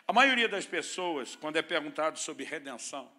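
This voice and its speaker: Speaking at a normal pace with a fairly high, sharp voice and lively intonation, this Brazilian Portuguese-accented pastor delivers a sermon. He mixes lessons with humorous stories from his own life, playful and anecdotal throughout.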